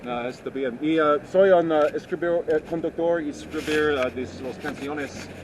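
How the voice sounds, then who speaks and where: A man talks in slow, halting learner's Spanish full of fillers and restarts, his voice sitting somewhat high. He rides in a taxi with street and engine noise clearly audible underneath. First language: English. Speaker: musician and songwriter. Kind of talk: casual chat in a taxi. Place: inside a moving taxi. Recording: noisy car ride recording.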